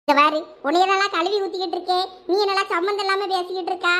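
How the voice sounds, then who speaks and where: A woman's voice: extremely high pitch, steady tone, rapid-fire, fairly bright tone. A woman voicing a short-tempered, sarcastic village wife in a cartoon, scolding and complaining in a Thoothukudi Tamil accent. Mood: exasperated. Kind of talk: dialect cartoon family comedy dialogue.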